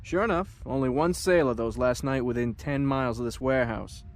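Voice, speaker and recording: A man's voice: mid-range voice, brisk, slight background noise, close to an everyday voice. An actor playing an easygoing, cocky male investigator in an audio drama, talking casually. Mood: matter-of-fact.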